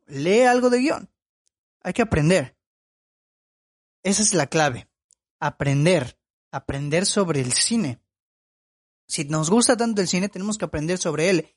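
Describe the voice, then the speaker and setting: A man giving opinion commentary as a film vlogger. He talks in an emphatic, lecturing way and repeats his points. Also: a little high.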